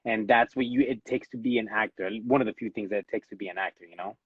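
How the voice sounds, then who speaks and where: A man's voice: on the low side, quick pace, breathy edge, no echo, phone-quality sound. A man with a Latino accent, raised in Miami by Cuban parents, talks earnestly about his acting career in a casual live interview, restarting his sentences often. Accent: Latino, Cuban-American. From born in Los Angeles, raised in Miami. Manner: earnest, repeats words when starting sentences. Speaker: actor, interview guest. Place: at home.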